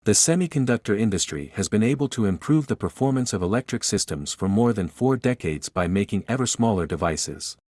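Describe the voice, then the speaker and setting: A man's voice: fairly low pitch, expressive, fairly quick, hardly any pauses, darkish tone, dry recording. A man reading a prepared passage aloud as scripted narration. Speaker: model reader for an English exam lesson.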